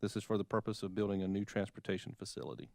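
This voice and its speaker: A man's voice: fairly low pitch, level tone, very fast, creaky, darkish tone, no echo, studio quality. A man on a school board reading out a formal motion with long parcel numbers, careful and exact. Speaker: board member.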